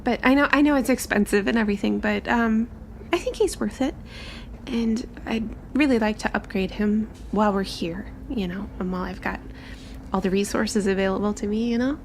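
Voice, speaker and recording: A woman's voice: medium pitch, brisk, a little hiss or hum, lightly acted. A woman playing an earnest, well-mannered girl in a tabletop game, speaking in a hesitant, courteous way. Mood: eager, hopeful. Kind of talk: tabletop roleplay.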